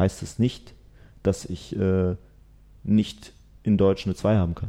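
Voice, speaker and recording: A man's fairly low, dark, mellow voice at a fairly slow pace, with fairly even intonation. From Germany, Münsterland. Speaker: wheelchair racing athlete. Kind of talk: interview. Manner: halting, many fillers.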